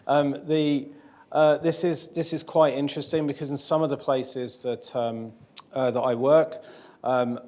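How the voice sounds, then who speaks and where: A man hosting a tech meetup introduces the speaker to a live audience at the venue, sounding hesitant and self-deprecating and leaning on lots of fillers. His voice is mid-pitched and somewhat dark, with fairly level intonation and an unhurried pace.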